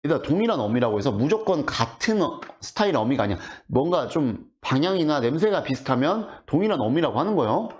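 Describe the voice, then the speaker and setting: A man teaching high school literature in an online lecture, talking casually and asking his students rhetorical questions. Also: big pitch swings, fast, few pauses, darkish tone. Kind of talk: online exam explanation lecture. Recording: dull lo-fi audio.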